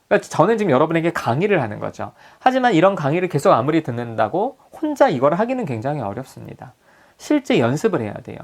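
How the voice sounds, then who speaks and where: A man giving a psychology lecture as a group counselor, putting questions to his audience. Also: on the high side. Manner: animated, asks the audience questions.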